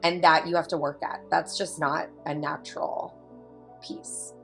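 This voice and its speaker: Low-voiced woman in her thirties. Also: a little slow, creaky, soft background music. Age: 30s. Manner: candid, animated storytelling with quoted asides. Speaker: podcast guest, mother. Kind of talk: casual chat.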